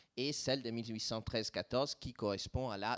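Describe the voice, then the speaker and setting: A man speaks with an Italian accent. The recording is very clean, with a silent background. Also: dry, close sound with no echo. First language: Italian (speaking French). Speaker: historian. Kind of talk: conference talk. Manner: hesitant, many fillers.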